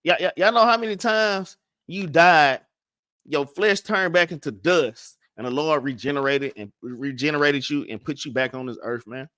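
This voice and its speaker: A man's voice: on the high side, normal speed, bright, forceful tone, no room sound, clean studio sound. A man with a Southern US accent teaching a casual Bible class, stuttering and restarting often and tagging "man" and "all right?" onto his lines. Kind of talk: casual scripture lesson.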